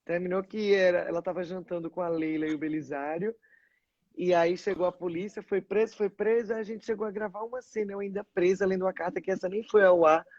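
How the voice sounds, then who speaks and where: An animated woman from Pernambuco talks as an actress in a casual interview. Her storytelling is expressive and lively. The sound is dull and dry, with no room to it. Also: lowish voice, quick pace, dry recording. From Pernambuco, Brazil. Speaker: actress guest.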